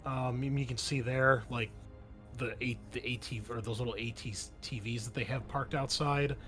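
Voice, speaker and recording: A man's voice: medium pitch, fairly even intonation, moderate pace, a bit bright, faint music behind. A man narrating a tabletop game as game master, explaining things in an informal, improvised way.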